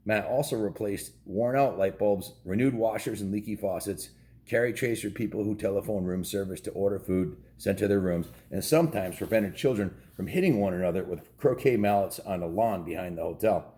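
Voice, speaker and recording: Low-voiced American man reading to kids. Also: fairly quick, warm tone. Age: 50s. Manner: informal, jokey asides. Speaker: children's book reader and host. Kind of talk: casual read-aloud with asides to viewers.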